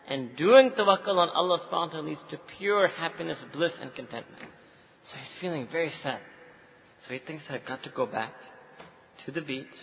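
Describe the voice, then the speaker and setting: A man with a South Asian accent preaching to a live audience as an animated storyteller, often checking in with listeners. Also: on the high side, creaky, a little hiss or hum. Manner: animated storyteller, switching languages, with rhetorical check-ins. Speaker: Muslim preacher. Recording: echoey hall, dull muffled sound.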